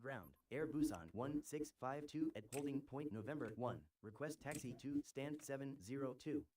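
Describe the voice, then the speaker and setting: Man playing mellow, slightly distant pilot. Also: medium pitch, moderate pace, close to an everyday voice. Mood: businesslike. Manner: procedural, list-like delivery. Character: businesslike male airline pilot requesting taxi. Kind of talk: aviation radio phraseology. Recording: slightly distant, faintly noisy radio-style audio.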